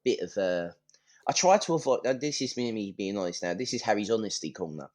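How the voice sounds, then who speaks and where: A man's voice: fairly low pitch, lively intonation, brisk, darkish tone. A man talking football as a fan on a podcast, blunt and full of swearing, in a ranting casual style.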